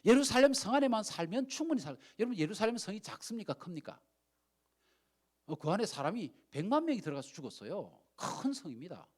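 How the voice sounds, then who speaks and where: Male pastor, middle-aged, high and swooping voice; acts out his stories while preaching. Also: fast. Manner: animated storytelling, acts out quoted speech, asks the audience questions. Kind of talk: sermon.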